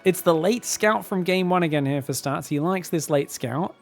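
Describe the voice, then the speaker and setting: Gravelly-voiced excitable caster. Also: male voice, on the high side, moderate pace, soft background music. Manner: excitable, shouts on big plays, then breaks down mistakes. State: phlegmy after being sick. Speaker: esports caster. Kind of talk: solo game commentary.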